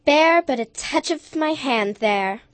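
A woman voicing a gentle solemn Christmas spirit. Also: high-pitched, expressive, slow, dry recording, pitched above the performer's own voice.

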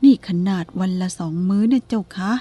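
A woman voicing a humble, deferential elderly female country cook in a storybook reading, slow and polite. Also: medium pitch, dark tone, faint music behind, close to an everyday voice. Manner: deferential, polite and self-effacing.

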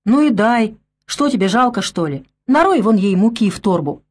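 A woman's voice: fairly high pitch, animated, moderate pace. A woman reading an audiobook, voicing a wary, grumbling old village man with folksy speech.

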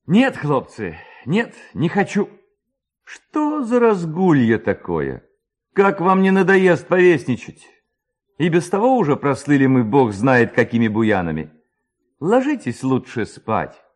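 A man's voice: a little high, very animated, a little slow, pitched above the performer's own voice. A man voicing a young village lad in a literary reading, exclamatory and reproachful, weary of his rowdy friends.

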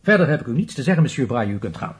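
An actor playing a stern, haughty middle-aged institute director in a Dutch radio play, pompous, clipped and commanding. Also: male voice, medium pitch, very animated, very fast, lightly acted. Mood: cold, threatening.

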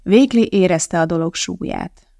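A narrator reads a novel aloud in a steady, measured way. The voice is gravelly with a noticeable creak and sits at a mid pitch. The recording is dry and close. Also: dry recording. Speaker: audiobook narrator. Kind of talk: scripted narration.

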